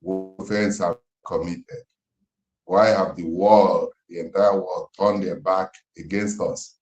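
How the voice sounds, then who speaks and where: A Nigerian man in his fifties, speaking slowly and gravely over a phone call, with an emphatic, almost preaching manner. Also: low voice, fairly even intonation, a little mellow, faint music behind. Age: 50s. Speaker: interviewer on a call. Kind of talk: impassioned questioning, near-sermon. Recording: echoey phone-call audio.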